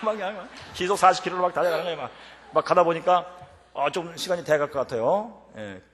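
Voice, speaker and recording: A middle-aged man preaching at a revival meeting. He moves between fervent, shouted prayer and a chatty, animated anecdote. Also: on the high side, quick pace. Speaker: preacher and professor. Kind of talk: revival-meeting sermon with storytelling. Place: church sanctuary. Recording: echoey hall reverb.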